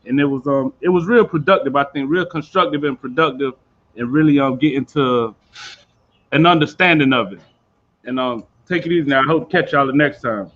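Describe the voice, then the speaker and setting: A man's voice: mid-range voice, brisk. A man giving informal, earnest closing thoughts on a panel call. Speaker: panel guest. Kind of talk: casual closing remarks. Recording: lo-fi call audio.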